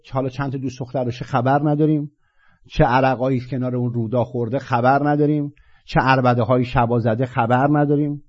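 Guy preaching, voice sits kinda high, goes quiet then loud and worked up, muffled lo-fi audio. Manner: swings from low murmurs to loud animated bursts. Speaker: speaker giving a spiritual talk. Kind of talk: impassioned monologue. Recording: dull lo-fi recording.

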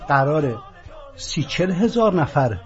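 A man from Iran with a Persian accent, hosting a political program as an emphatic, declamatory monologue in deliberate, repeated phrases. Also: a little high, very animated. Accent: Persian (Iranian). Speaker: host of a political talk program. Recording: dull lo-fi audio with music underneath.

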